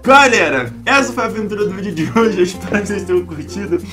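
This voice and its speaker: High, rapid young Brazilian man. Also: expressive, music in the background. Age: young adult. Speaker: gaming video host. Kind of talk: upbeat video sign-off.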